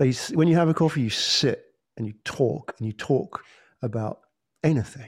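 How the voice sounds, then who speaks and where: A man with an English accent speaks at a moderate pace and medium pitch, somewhat breathy, with ordinary pitch variation. He leaves long, frequent pauses on a very clean recording with a silent background. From England, Portsmouth. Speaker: podcast agency founder and entrepreneur. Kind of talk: interview conversation.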